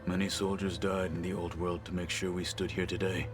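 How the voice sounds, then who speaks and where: Man acting a deep-voiced stoic tribal warrior, music behind. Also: little pitch movement, close to an everyday voice. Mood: resolute. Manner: formal, measured, solemn phrasing. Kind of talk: video game character dialogue.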